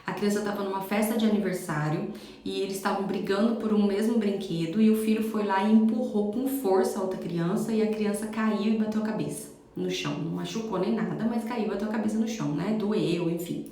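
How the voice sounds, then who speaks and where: A woman's voice: medium pitch, brisk, dark tone. A woman with a Brazilian accent, a parenting educator talking conversationally to her viewers and often checking in with tag questions. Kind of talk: live-streamed advice talk. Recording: echoey room.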